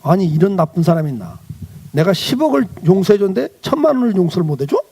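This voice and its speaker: A man's voice: sits high, very animated, quick pace, dark tone, husky, heavily acted. A man voicing a stern male king in a children's sermon story, scolding a servant who owes him money. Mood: angry. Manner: scolding then pardoning.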